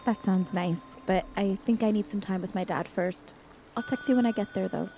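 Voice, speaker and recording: A woman's voice: medium pitch, normal speed, warm tone, slight background noise, natural voice. An actress playing a worried young woman in an audio drama, hesitant and subdued in a naturalistic way. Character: worried young woman returning to her damaged hometown.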